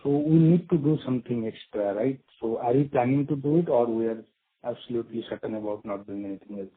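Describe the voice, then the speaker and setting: A man's voice: medium pitch, fast talker, slightly rough. A man with an Indian accent calling in as an individual investor, asking conversationally and often seeking confirmation. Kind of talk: conversational question on a conference call. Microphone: phone. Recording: poor, muffled breaking-up phone line.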